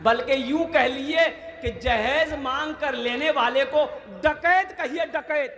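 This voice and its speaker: A man's voice: very high-pitched, slow pace, fairly bright tone, echoey room, in a large hall. A man from Kolkata preaching a sermon in with a tinge, rousing and rhetorical, prodding the crowd to answer and slipping in mocking jokes. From Kolkata, India. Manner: jokey, mocking asides. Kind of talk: sermon to a gathering.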